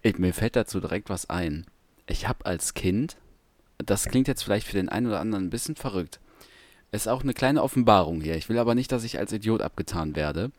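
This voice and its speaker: A man co-hosting a podcast in casual chat, talking haltingly with lots of fillers and restarts. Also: fairly low pitch, animated, no echo. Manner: hesitant, many fillers and restarts. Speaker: podcast co-host.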